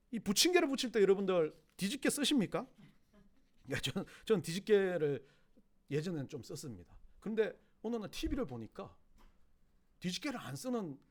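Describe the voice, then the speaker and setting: Animated Gyeongsang pastor preaching. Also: male voice. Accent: Gyeongsang Korean. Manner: animated, swings from loud emphatic cries to hushed low asides. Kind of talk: sermon.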